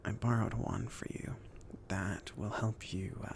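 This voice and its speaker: A man acts out a laid-back, considerate mage in a cozy ASMR fantasy roleplay. The voice is mostly a whisper, with a crackly fry whenever it surfaces into low speech. The delivery is casual, a little hesitant and gently reassuring. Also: fairly even intonation, a little slow. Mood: calm, explaining. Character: chill, considerate mage sending an apprentice on errands.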